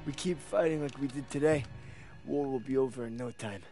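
Actor as mellow-voiced, determined soldier. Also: male voice, medium pitch, a little fast, soft background music, close to an everyday voice. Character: earnest, determined American WWII soldier. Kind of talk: video game cutscene drama.

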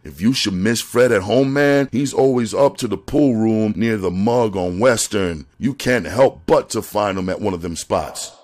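A man doing a shrill, panicky street snitch. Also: a little mellow, natural voice. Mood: eager, ingratiating. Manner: pleading, fast, rising to shrill.

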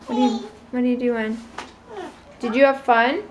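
A woman in her twenties, a mother vlogging at home at night, chatting casually and slowly to a phone held at arm's length. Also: on the high side, dull audio, a little hiss or hum. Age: 20s. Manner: relaxed, chatty, slow. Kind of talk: casual vlog chat to camera. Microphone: phone camera at arm's length.

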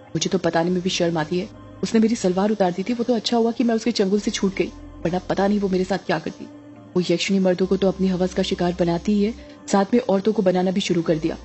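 A woman's voice: medium pitch, mellow, close to an everyday voice. A woman voicing an anxious young woman who pleads and insists with her mother.

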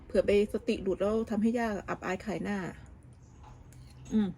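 A woman's voice: mid-range voice, fairly even intonation, normal speed, vocal fry, mellow, a little hiss or hum. A woman vlogger, chatting casually and gossiping about family while cooking at home, often restarting her sentences. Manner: gossipy, talks with many restarts and fillers. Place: home kitchen abroad.

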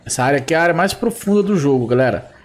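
Excitable man, high lively voice. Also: very fast. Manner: excitable, exclaiming often. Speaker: gameplay streamer. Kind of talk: excited gameplay commentary.

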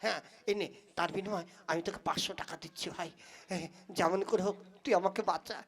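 A woman's voice: fairly low pitch, fairly even intonation, fast talker, husky. A woman playing a worried, lovesick young man who pleads plaintively in a comic puppet play. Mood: worried, pleading.

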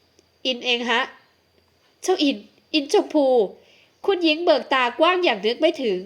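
Woman narrator for a romance audiobook; smooth, expressive scripted reading. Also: high voice, a little fast.

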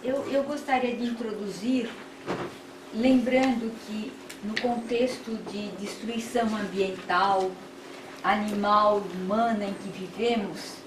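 An older woman from Brazil with a Brazilian Portuguese accent, giving an academic lecture in a seminar room in slow, measured, reflective phrasing. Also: mid-range voice, steady tone, far from the mic. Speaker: guest lecturer. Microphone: far room camera. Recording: echoey room from afar, background noise.

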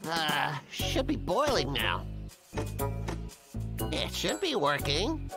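A man playing a scheming, excitable, hapless cartoon logger who mutters to himself and exclaims, with a creaky voice. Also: on the high side, takes it slowly, full character voice. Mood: grumbling, puzzled. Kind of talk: exaggerated cartoon dub acting. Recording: music behind the voice.

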